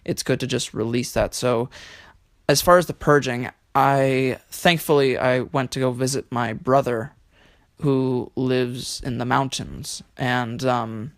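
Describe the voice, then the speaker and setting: A man speaking as an interview guest, reflective and halting, telling personal stories with quirky, theatrical turns of phrase. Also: medium pitch, steady tone, vocal fry, no echo, clean studio sound. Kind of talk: conversational interview, personal storytelling.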